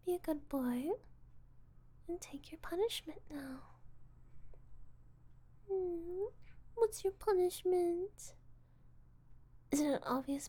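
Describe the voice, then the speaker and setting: A woman in a whispered audio roleplay, voicing a possessive, controlling woman who calls herself Mommy and talks slowly, coaxing and condescending. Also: sits high. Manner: soft breathy whispering, slow and coaxing; condescending, teasing.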